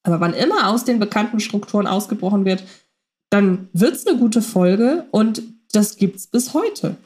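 A woman's voice: medium pitch, animated, normal speed, a little mellow. A woman hosting a casual fan podcast, talking in a chatty, playful way. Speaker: podcast host.

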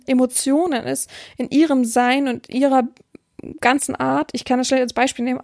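A woman's voice: sits high, vocal fry, darkish tone, no room sound, studio quality. A woman hosting a podcast, talking frankly in a chatty monologue full of fillers and restarts. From German-speaking region. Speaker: podcast host, dominatrix.

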